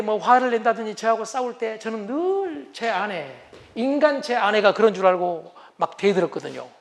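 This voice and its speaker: A man giving a humorous lecture on couples' communication, animated and acting out what spouses say. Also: very high voice. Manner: animated, acts out spouses' lines.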